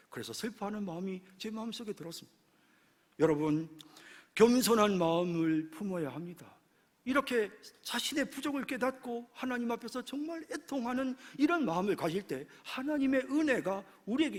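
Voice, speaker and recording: A man's voice: high voice, breathy edge, long reverb tail. A male pastor delivering an expository sermon with fervent preaching, acting out quoted prayers in his own voice.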